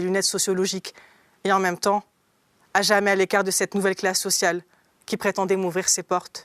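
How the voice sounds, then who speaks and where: In a dry, close sound with no echo and a silent background on a very clean recording, a woman speaks fairly quickly at a medium pitch with monotone, flat intonation. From southern France. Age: 20s. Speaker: author and journalist. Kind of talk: reading aloud. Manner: hesitant, many fillers.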